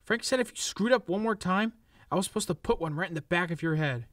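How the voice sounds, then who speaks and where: A tense young hitman, played by a man in a radio play, his voice swinging widely in pitch. He talks hushed and weary, then bursts into shouts. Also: lively intonation, quick pace, dry recording. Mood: grim. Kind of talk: amateur radio drama.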